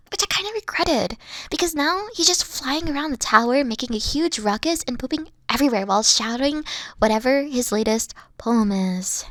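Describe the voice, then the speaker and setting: A woman playing a haughty but secretly soft, dorky evil queen in a roleplay audio, pompous, theatrical and easily flustered. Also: a little high, no room sound, studio quality. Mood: haughty, petulant. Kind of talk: playful roleplay audio acting.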